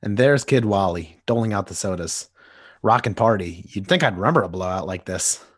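A man playing a husky, wistful grown-up hero. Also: fairly low pitch, lively intonation, moderate pace, no echo, clean studio sound. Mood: earnest. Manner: wistful, earnest inner monologue. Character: nostalgic grown-up superhero, adult man. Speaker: podcast co-host. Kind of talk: amateur comic dramatic reading.

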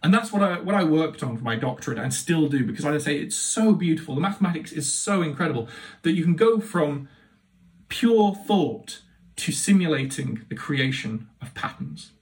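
A man's voice: on the high side, expressive, normal speed, distant mic. A man speaking as a university lecturer, explaining in an enthusiastic, emphatic and conversational way. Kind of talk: explanatory academic talk.

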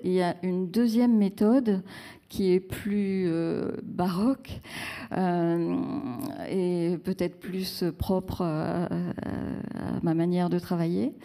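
A woman's voice: fairly low pitch, gravelly, warm tone. A woman author in a live book talk, speaking reflectively with many fillers and restarts as she searches for her words.

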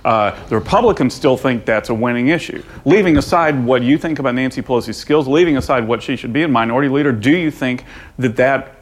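An American man interviewing on stage as a journalist, choosing his words with pauses mid-phrase. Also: mid-range voice. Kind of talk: live on-stage political interview.

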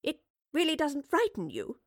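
A woman's voice: high voice, huge pitch swings, dry recording, studio quality, pitched above the performer's own voice. A woman voicing an educated young Victorian lady inventor, earnest and anxious, in an audiobook story. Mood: relieved. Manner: well-spoken, earnest, halting when explaining. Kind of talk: acted audiobook dialogue.

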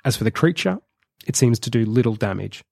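A male podcast host narrating a comedic film pitch in a vivid, measured storytelling way. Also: lively intonation, gravelly, a little mellow, no room sound. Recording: dry close sound.

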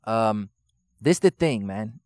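A man's voice: lowish voice, animated, slow pace, a little mellow, no echo, studio quality. A man who grew up in the Netherlands, a rapper guest talking casually in street slang, peppered with swearing and "you know what I'm saying". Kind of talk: casual interview chat.

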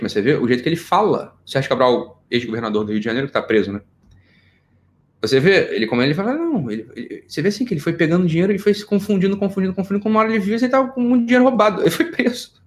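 Animated Brazilian man lecturing fast. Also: on the high side. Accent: Brazilian Portuguese. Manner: animated, jokey, rhetorical questions. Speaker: psychology lecturer. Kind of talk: informal live lecture.

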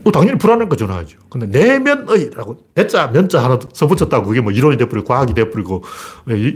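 A man with a husky, medium-pitched voice offers casual political commentary, sarcastic and mocking. He scoffs in asides and rises emphatically to drive his points home.

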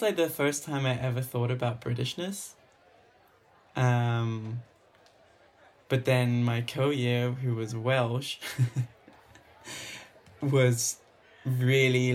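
Slow, gravelly young man. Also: mid-range voice. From London, England. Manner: hesitant, lots of fillers. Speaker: interviewee. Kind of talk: casual chat.

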